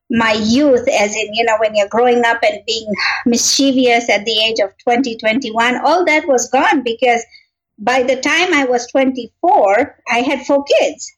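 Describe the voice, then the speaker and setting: A middle-aged woman from Kenya talks about her life as an interview guest. Her voice sits high, and she tells her story in a reflective way. She laughs now and then and fills her talk with "you know". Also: low-quality recording.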